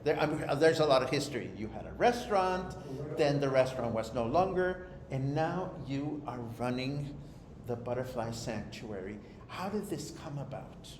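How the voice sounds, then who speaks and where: A man's voice: medium pitch, animated, moderate pace, crowd noise. A man hosting a live interview show, playful and chatty, drawing out his phrases. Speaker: talk show host. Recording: echoey room with background noise.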